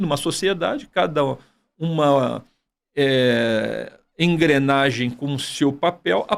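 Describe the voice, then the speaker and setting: A man talks very slowly on a very clean recording, the background silent. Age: 60s. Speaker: retired military police colonel. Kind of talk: interview, personal story and opinion. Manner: hesitant, many fillers.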